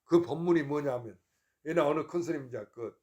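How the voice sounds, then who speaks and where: A man's voice: on the high side, brisk, darkish tone. An older man, a Buddhist monk, giving a folksy, informal Dharma talk to his temple congregation and often asking whether they follow him.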